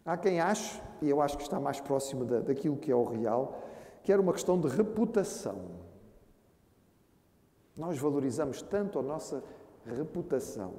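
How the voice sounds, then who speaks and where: Brazilian pastor preaching in an echoey hall. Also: male voice, medium pitch, lively intonation, moderate pace, long pauses, mellow. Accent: Brazilian Portuguese. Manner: earnest preaching, addresses listeners as brothers. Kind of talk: sermon. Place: church hall. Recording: echoey church hall with long reverb.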